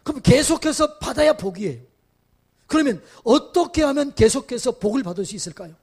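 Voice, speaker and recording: A male pastor preaching at a revival meeting. He questions the congregation and builds to loud exhortations. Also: very high voice, expressive, a little fast, husky. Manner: acts out quoted voices in dramatic asides. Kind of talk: revival sermon.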